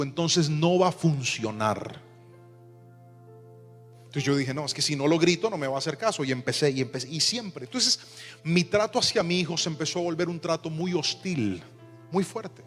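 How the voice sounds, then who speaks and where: A man in his thirties, a pastor preaching with passion and then softening into a quiet personal story. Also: on the high side. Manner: impassioned preaching, dropping to soft storytelling. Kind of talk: sermon. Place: large church hall. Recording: reverberant hall with soft music.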